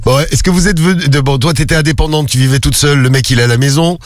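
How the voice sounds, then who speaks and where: A man's voice: a little high, racing, dry recording, studio quality. A man hosting a live call-in radio show, chatting loosely and joking with his co-hosts and callers, with many fillers.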